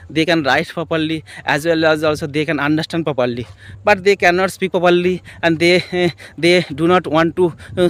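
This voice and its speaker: A man's voice: on the high side, a little hiss or hum. Hesitant non-native English-speaking man. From village area. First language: not English. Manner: hesitant, repeats phrases, many fillers. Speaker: English learner vlogger. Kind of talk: unscripted practice monologue.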